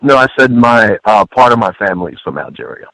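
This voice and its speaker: A man's voice: lowish voice, sing-song, fast talker, creaky, bright, forceful tone, dry recording, low-quality recording. A man born in France, a guest on a call-in radio show, defending himself and restarting his words often.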